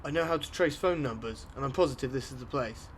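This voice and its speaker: A man playing a brisk, pushy ex-cop turned vigilante in an audio drama, explaining things matter-of-factly. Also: mid-range voice, slight background noise, close to an everyday voice. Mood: businesslike. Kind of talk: amateur audio drama acting.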